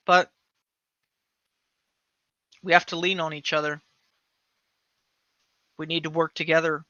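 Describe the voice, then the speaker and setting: A man hosts a casual stream in a sharp, forceful voice that sits a little high. He stalls and repeats words as he goes. The sound is dry and slightly dull. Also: vocal fry, dry recording. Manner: halting, repeats words while searching for them. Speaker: guest host. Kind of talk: casual livestream talk.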